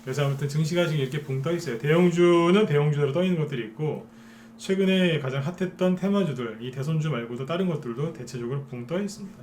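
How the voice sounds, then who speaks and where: A man's voice: a little high, quick pace, a little mellow, slight background noise. A man giving a live stock trading lecture as a broadcaster, persuading viewers and often asking them to agree.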